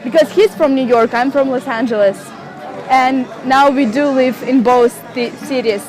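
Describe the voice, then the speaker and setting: A woman's voice: high-pitched, moderate pace, soft background music, some chatter behind, poor audio. A young woman from Russia speaking English with a Russian accent, chatting emotionally in an interview. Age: young adult. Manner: emotional, animated, fillers and restarts. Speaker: interviewee, model and blogger. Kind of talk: casual interview chat. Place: outdoors on a city street.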